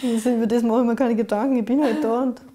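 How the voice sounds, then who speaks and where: A woman's voice: fairly high pitch, fairly even intonation, fast, dark tone, slight background noise. A young woman, answering questions in casual interview talk. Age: young adult. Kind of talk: casual chat.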